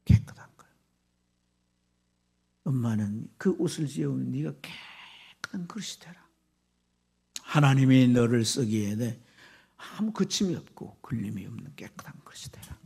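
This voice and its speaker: A man, a pastor, preaching a sermon with fervor, swinging from loud exclamations to hushed whispers. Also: mid-range voice, expressive, normal speed, creaky, pauses often, husky.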